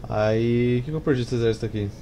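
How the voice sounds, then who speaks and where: A Brazilian man streams a strategy game with casual, slangy commentary. His voice is mellow and sits at an ordinary middle pitch. There is clear background noise around it. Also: fast talker. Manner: informal, slangy. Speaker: gameplay streamer. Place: small room indoors. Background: game sounds and ambience.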